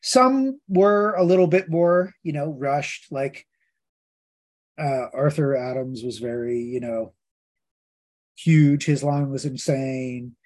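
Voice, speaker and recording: A man's voice: fairly high pitch, slow, darkish tone. A man co-hosting a casual comics podcast, telling convention stories with lots of asides and quoted dialogue. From Pittsburgh. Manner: chatty, storytelling with many asides and quoted voices. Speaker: podcast co-host. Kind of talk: casual chat.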